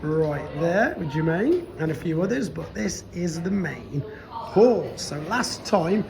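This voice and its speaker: A man's voice: on the high side, very animated, slow pace, vocal fry, crowd noise. A man chatting casually as he films a walk-around vlog of a convention venue, rambling with many restarts and losing his voice. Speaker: toy vlogger.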